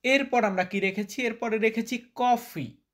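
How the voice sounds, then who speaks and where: A Bangladeshi language teacher runs a vocabulary lesson, saying each word more than once and testing the listener. His voice is extremely high and fairly bright, and he keeps a measured pace.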